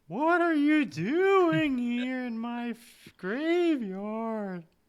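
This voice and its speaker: A put-on character voice, fairly high-pitched, at a very slow pace. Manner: spooky, ghostly.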